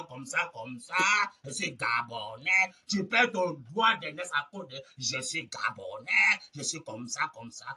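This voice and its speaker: A man preaching a fiery sermon, shouting refrains and dropping to low mutters, with chanting, repeated phrases. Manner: shouts refrains, swings between loud cries and low mutters. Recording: voice heard from a distance from the mic.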